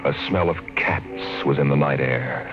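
An actor narrating an eerie 1950s radio drama as a wry, measured, dramatic storyteller. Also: male voice, very deep voice, fairly even intonation. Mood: wry, ominous. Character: wry storyteller of an eerie science fiction tale. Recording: muffled old 1950s radio recording. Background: music.

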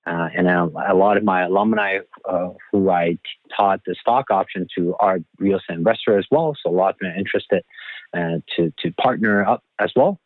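A man from Taiwan speaks as an interview guest over a narrow, phone-like line. His voice sits fairly low and the sound is dry. He answers conversationally, in the role of a financial coach. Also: a little fast, no room sound. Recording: thin phone-like band-limited line.

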